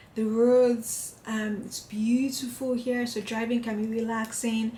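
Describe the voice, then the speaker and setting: The tone is animated. There is noticeable background noise and audible room echo. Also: woman. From Nigeria, Lagos. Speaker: vlogger. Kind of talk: casual vlog talk.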